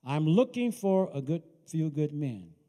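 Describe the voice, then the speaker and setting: A man playing a calm, commanding male teacher who calls his followers forward in a firm, raised voice. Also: a little high, a little slow. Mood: calling. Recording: reverberant hall.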